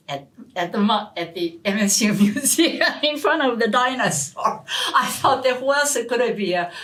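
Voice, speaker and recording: A middle-aged woman professor, an English speaker, telling stories in an interview, animated and often restarting her words. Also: low-pitched, poor audio. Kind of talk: storytelling interview answers. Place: university hall.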